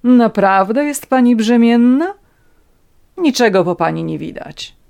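A woman's voice: mid-range voice, animated, measured pace, darkish tone. A woman voicing a haughty aristocratic countess who speaks with cold contempt. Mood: contemptuous.

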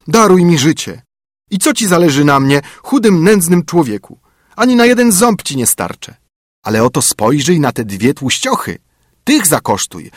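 A grumpy little bearded dwarf, as a man puts him on, with a thin, shrill voice pitched well above the reader's own. He scolds, huffs and snaps his lines loudly in a storybook reading, with a husky edge. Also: no echo, clean studio sound. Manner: scolding, snapping, whining.

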